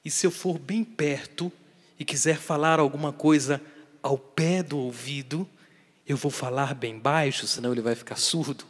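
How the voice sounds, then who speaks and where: A man preaching a daily catechesis sermon as a priest, emphatic and putting rhetorical questions to his listeners, his voice swinging between loud and soft for emphasis. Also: fairly high pitch, steady tone, normal speed, breathy edge. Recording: long reverb of a large hall.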